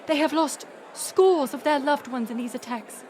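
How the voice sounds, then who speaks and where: A woman's voice: high voice, moderate pace, darkish tone, a little hiss or hum, close to an everyday voice. A woman playing a proud, weary middle-aged queen mother in a dramatic audio roleplay, formal and commanding. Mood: commanding, defensive. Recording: music and crowd murmur behind. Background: music and banquet crowd.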